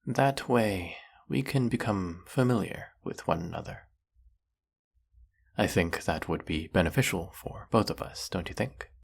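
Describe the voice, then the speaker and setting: A snake-headed villain with a silky, coaxing manner, voiced by a man. His voice sits very low with a gravelly, husky grain, and he takes his time with every word. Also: a little slow, full character voice. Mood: boastful. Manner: silky, coaxing, soft-spoken and purring. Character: smooth-talking snake-headed male villain, hypnotist. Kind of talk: audio roleplay.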